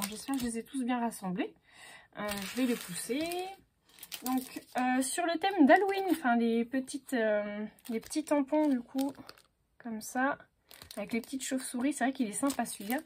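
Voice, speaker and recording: Chatty French woman, high voice. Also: darkish tone, slight background noise. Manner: chatty, hesitant, many fillers; talks to herself while sorting items. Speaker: crafting vlogger. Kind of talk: casual unboxing chat.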